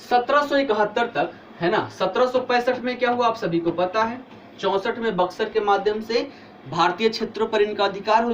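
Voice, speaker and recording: Tired man lecturing, high-pitched. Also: a bit bright, highs cut off, a little hiss or hum. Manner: explains step by step, asks students questions. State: tired with a headache. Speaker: teacher. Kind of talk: online exam-prep history lecture.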